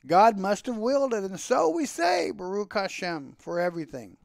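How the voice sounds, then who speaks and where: A man's voice: sits high, sing-song, normal speed, vocal fry, dry recording, studio quality, pitched above the performer's own voice, heavily acted. A man voicing a poor, pious Jewish milkman from a storybook, declaiming in a wry, pleading, long-winded way. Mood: fervent. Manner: declamatory, rhetorical.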